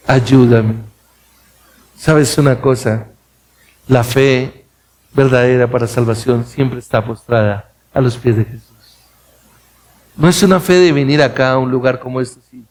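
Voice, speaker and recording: A man preaching a sermon, speaking straight to his listeners with rhetorical questions and acting out pleading voices. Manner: acts out pleading voices, rising high for cries; addresses listeners directly, asks rhetorical questions. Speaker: pastor.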